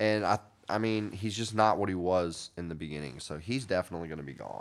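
On a very clean recording with a silent background, a man's voice is heard. He moves at a fairly quick pace, his pitch varying in an ordinary way. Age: 20s. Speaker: football podcast host. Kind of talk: casual solo sports commentary podcast. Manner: casual, filler-heavy.

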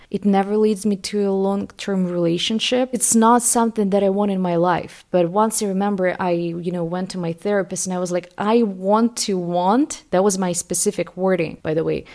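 Hardly any pauses, with a Russian accent. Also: woman, medium pitch for a woman, moderate pace. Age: 20s. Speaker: podcast host. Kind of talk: casual chat, solo monologue. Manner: chatty, excitable.

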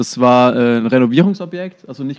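At a moderate pace, a man with a plain, everyday voice talks at a medium pitch with ordinary pitch variation. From Baden-Württemberg, near Heilbronn. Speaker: real estate investor. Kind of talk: interview.

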